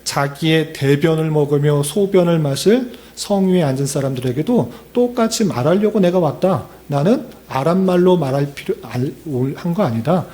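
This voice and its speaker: A man's voice: fairly high pitch, lively intonation, moderate pace, few pauses, mellow, close to an everyday voice. A male preacher voicing a mocking, boastful enemy commander in a scornful, taunting tone.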